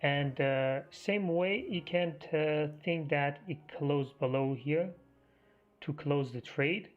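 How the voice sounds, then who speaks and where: Slow, hoarse man thinking aloud. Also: fairly high pitch. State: losing his voice. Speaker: live trading stream host. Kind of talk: live market commentary. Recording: muffled stream audio with faint music.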